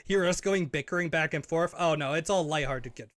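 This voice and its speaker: A man co-hosting a casual podcast, his voice a touch higher than most and recorded very dry and close. He laughs easily, teases, and pokes fun at himself. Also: fairly quick, a bit bright, no room sound. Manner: laughs often, teasing, self-deprecating. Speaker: podcast co-host.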